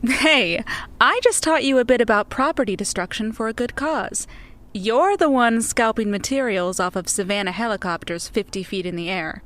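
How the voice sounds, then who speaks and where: A woman playing a seasoned, protective rebel with a brisk, wry, conversational manner in a sci-fi audio drama. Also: on the high side, expressive, a bit bright. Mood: fond, wry.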